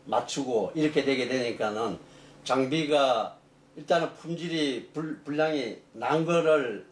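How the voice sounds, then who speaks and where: A man's voice: medium pitch, a little slow, echoey room. Middle-aged man rambling through technical answers. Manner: rambling explanations with many fillers and restarts. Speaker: engineering professor. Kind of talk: interview answers.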